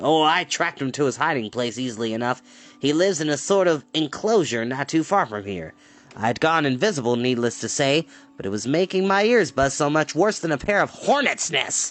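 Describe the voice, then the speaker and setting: Using a put-on character voice, a man sounds gruff, croaky and hoarse at a fairly high pitch and a fairly quick pace. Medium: read story. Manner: gruff, irritable.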